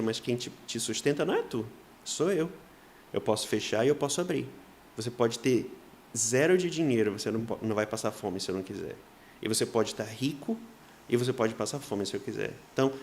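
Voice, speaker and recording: A man, a missionary guest, telling a personal faith story in an earnest way, acting out what people said to him. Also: mid-range voice. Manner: earnest, acts out quoted dialogue in lively voices.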